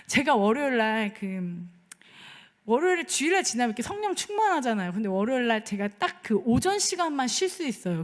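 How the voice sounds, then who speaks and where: A middle-aged woman pastor delivers a sermon like a personal story, checking in with her listeners as she goes. Her voice sits high and swings widely in pitch. A long church reverb trails after her words. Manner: conversational, asks the congregation for agreement, acts out dialogue. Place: church sanctuary.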